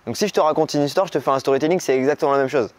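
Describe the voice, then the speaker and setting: Expressive young man from Morocco coaching. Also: on the high side. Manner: lively, expressive, speeds up and slows down for emphasis. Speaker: dating coach. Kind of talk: coaching video lesson.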